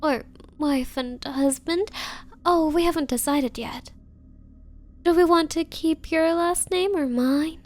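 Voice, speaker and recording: A woman acts out an obsessive yandere bride for an anime-style ASMR roleplay. Her voice is high and she takes her time, cooing to the listener with coy, hesitant sweetness. Beneath the considerate manner she is possessive and menacing. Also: takes it slowly. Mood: coaxing, accommodating.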